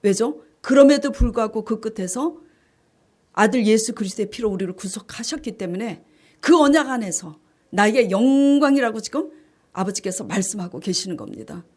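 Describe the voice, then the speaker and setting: A woman pastor giving a sermon. She asks her congregation questions and answers them herself, and she reads scripture in a hushed, slower voice. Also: animated, husky. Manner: rises in pitch and volume on key phrases. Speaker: senior pastor.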